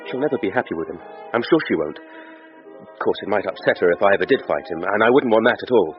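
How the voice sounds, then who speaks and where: Brief: male actor as a brooding jealous young man, low voice, music under, dull sound. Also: lively intonation, fast talker, close to an everyday voice. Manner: blunt, brooding. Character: young clerk, jealous, frustrated. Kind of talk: letter read as voice-over. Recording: dull broadcast audio with music.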